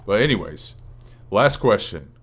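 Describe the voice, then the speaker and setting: Unhurried and lively, a man with a lowish, slightly breathy voice hosts a casual gaming podcast. He tends to hesitate and ramble, frequently fixing his sentences as he goes.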